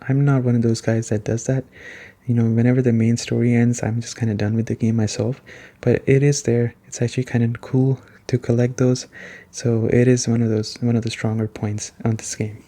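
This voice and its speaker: A man giving a soft-spoken ASMR gaming review, talking conversationally and repeating his points for emphasis. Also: medium pitch, level tone, brisk. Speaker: game reviewer.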